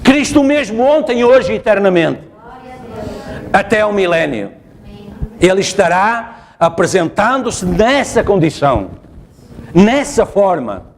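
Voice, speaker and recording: A man's voice: high voice, big pitch swings, slow, long pauses. A male pastor with a European Portuguese accent, preaching emphatically and repeating his phrases. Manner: emphatic, repeats phrases, asks the congregation "está a ver?". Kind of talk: sermon. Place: church.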